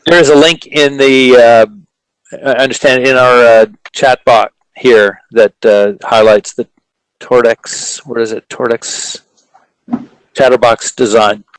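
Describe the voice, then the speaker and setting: A man giving technical product answers in a measured, explanatory way, pausing to think as he goes. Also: mid-range voice, steady tone, clean tone, no echo, rough recording. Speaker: company presenter answering questions.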